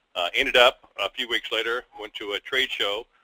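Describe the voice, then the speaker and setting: A man talks at a moderate pace. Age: 60s. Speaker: business executive. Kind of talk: personal story on a conference call. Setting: phone call. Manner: halting, many fillers.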